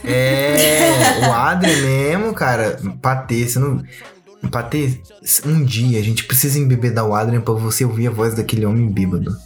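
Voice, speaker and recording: A man with a Brazilian accent, chatting casually as a podcast co-host, slangy and animated, often mimicking voices for a joke. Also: medium pitch, moderate pace, soft background music.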